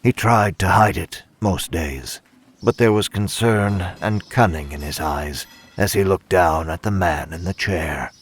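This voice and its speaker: Grave, courteous caretaker narrating horror audio drama: unhurried, deep, composed. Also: male voice. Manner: measured, polite, grave. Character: composed, somber male caretaker doing grim duty.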